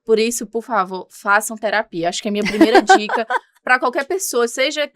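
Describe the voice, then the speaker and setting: A woman's voice: fairly high pitch, fairly quick, a bit bright. A young woman with a regional Brazilian accent, a reporter talking as a podcast guest, emphatic and indignant. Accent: Brazilian Portuguese, regional. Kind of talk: casual interview talk.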